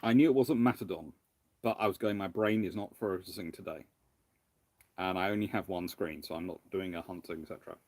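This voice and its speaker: A man hosting a casual live question-and-answer stream, thinking aloud in a halting, rambling way. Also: low-pitched, a little mellow, no room sound. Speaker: livestream host, naval historian. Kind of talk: casual live Q&A with off-the-cuff commentary.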